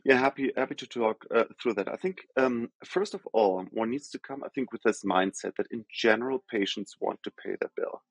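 A man from Germany with a German accent, a company founder explaining things in a measured podcast interview, often pausing with "um". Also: medium pitch, animated, gravelly, husky. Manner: measured, explanatory, frequent "um" and self-corrections.

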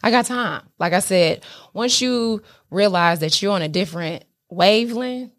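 A woman's voice: medium pitch, normal speed. A woman with an African American accent in candid, casual conversation, speaking emphatically with frequent swearing and checking in with the listener. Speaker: business owner being interviewed.

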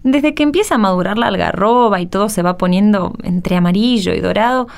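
A woman's voice: medium pitch, brisk, gravelly, darkish tone, close to an everyday voice. An older woman with an Argentine accent playing a cheerful, homely village grandmother in a radio drama. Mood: warm, nostalgic.

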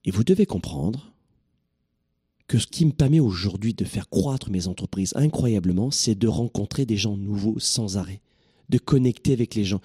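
A man from southern France giving an energetic, joking motivational talk to his listeners. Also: mid-range voice, husky. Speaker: motivational speaker.

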